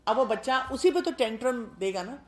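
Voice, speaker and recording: A middle-aged woman doctor giving parenting advice in a calm, explanatory way, often asking rhetorical questions. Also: fairly high pitch, echoey room. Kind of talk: parenting talk to mothers.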